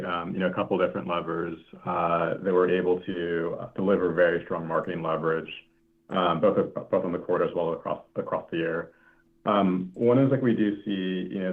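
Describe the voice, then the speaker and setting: A man with a very low voice full of vocal fry answers as an executive on an earnings call. He speaks haltingly, pausing mid-phrase. The sound is narrow, like a phone line. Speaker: company executive answering analyst questions.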